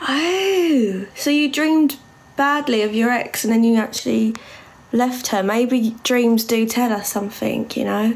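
In an Essex accent, a woman speaks fairly slowly at a fairly high pitch, her loudness very even throughout. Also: ordinary pitch variation. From southeast England. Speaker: livestreamer. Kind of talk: casual chat. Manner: animated. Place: home room. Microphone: phone near.

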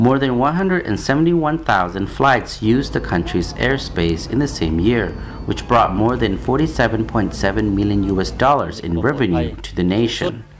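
Speech with very wide pitch swings runs at a moderate pace with hardly any pauses, over noticeable background noise. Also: man, fairly low pitch for a man. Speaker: news presenter. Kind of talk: TV news report.

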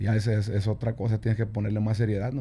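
At a very fast pace, a man talks in a dark, mellow tone at a medium pitch, sounding somewhat breathy. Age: 30s. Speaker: regional Mexican musician and former radio announcer; former radio announcer. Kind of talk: casual interview. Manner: repetitive, stammering restarts. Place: studio. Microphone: studio mic.

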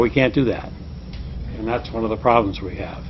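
Noticeable background noise behind a man's medium pitch and fairly quick delivery. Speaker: town manager. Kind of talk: public meeting discussion.

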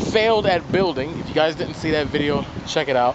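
A man speaks at a fairly quick pace, the sound dry with no echo and clear music in the background. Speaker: engine tinkerer vlogger. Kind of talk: casual vlog chat. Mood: relaxed, upbeat. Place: garden. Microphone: phone near.

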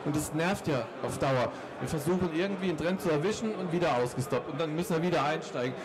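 A man talks at a fairly quick pace with a fairly high pitch and ordinary pitch variation. There is noticeable background noise. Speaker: trader; presenter. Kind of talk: presentation at trading fair. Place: hall. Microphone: too quiet; handheld.

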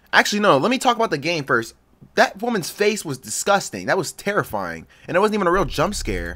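A man at a fairly quick pace, very wide pitch swings, music in the background. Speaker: game streamer. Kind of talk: casual gaming commentary. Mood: playful, animated storytelling. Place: home room. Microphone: headset.

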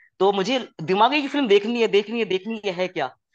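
A man talks with a high pitch. The background is quiet. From Bihar, India (Katihar); Bihar. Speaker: actor. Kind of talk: interview. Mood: cheerful, laughing often. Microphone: video call.

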